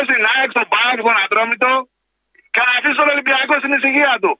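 A man's voice: extremely high pitch, pushed and bright, no echo, rough recording. A man calling a sports radio show, ranting in a heated, confrontational way about football. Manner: agitated, rapid-fire, confrontational. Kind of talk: heated phone-in rant on football.

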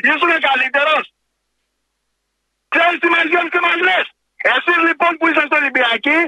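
A man's voice: very high voice, sharp tone, low-quality recording. A man calling a sports radio show, ranting in a heated, confrontational way about football. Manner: agitated, rapid-fire, confrontational. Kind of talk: heated phone-in rant on football.

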